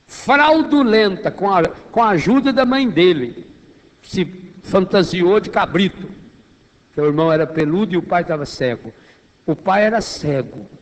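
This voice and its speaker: A Brazilian man preaching a sermon as a Catholic priest, dropping to a hushed, soothing voice for demonstrations and rising to loud, emphatic stresses. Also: high-pitched. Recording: long hall reverb.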